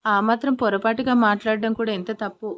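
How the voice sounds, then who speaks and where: A woman narrating a romantic audio story in a gentle, expressive reading style. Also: fairly high pitch, fairly quick, dull audio.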